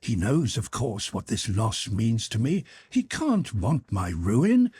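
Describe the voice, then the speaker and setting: A man's voice: on the low side, sing-song, takes it slowly, dark tone, breathy edge, exaggerated voice. A man reading the part of a young nobleman gambler, proud but desperate, questioning himself in anxious, pleading inner talk. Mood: anguished.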